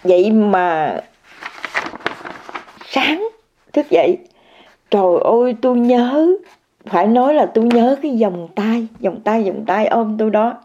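An older woman, a meditation practitioner, gives an emphatic personal testimony to viewers, repeating words over and over and addressing them directly. Her voice is a little high, expressive and dark-toned, at a measured pace with frequent pauses. The muffled lo-fi recording carries a slight hiss or hum.

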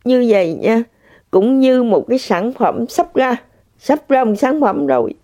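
A woman's voice: a little high, sing-song, measured pace, dark tone, dry recording, studio quality. An older woman telling a personal spiritual testimony to her listeners, earnest and repeating herself. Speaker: spiritual practitioner sharing testimony. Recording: dull lo-fi sound.

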